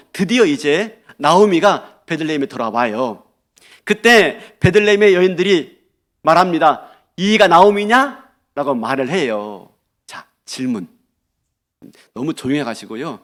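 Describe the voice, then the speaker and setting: Animated Korean-speaking male pastor preaching. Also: on the high side. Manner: animated, asks the congregation questions. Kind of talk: sermon.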